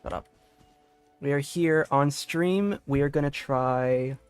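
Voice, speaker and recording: A man's voice: mid-range voice, slow pace, clear, resonant tone. A man streaming a game, chatting casually and thinking aloud in a loose, rambling way. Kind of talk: casual livestream gameplay chat. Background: faint game music.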